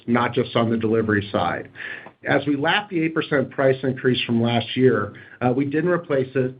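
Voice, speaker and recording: A man speaking as a company executive on an earnings call, in measured corporate phrasing. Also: medium pitch. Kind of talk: prepared remarks and corporate question answering. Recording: dull, lo-fi conference call audio.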